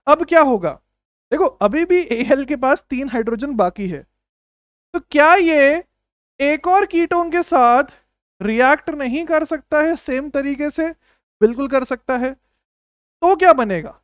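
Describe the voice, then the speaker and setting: A man teaching chemistry in an energetic exam-coaching lecture, often asking the class rhetorical questions and repeating short commands. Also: very high-pitched, a little slow, no echo, clean studio sound. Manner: repeats short commands like "don't write, understand".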